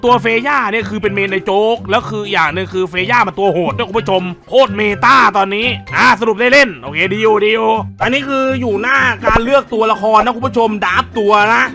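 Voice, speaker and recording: A man giving casual gameplay commentary as a gaming video host, excitable and crude, joking and laughing often. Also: high voice, fast, hardly any pauses, soft background music. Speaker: gaming YouTuber.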